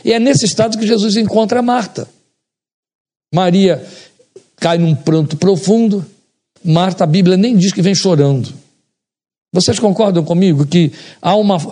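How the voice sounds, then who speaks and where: Male pastor, slightly high husky voice, sermon delivery, questions to the congregation. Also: dark tone. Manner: asks the congregation rhetorical questions.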